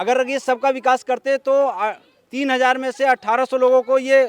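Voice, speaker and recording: Recorded with a dry, close sound and no echo, a man talks at an extremely high pitch. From Delhi, India. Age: 40s. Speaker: slum resident, driver. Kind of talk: street interview.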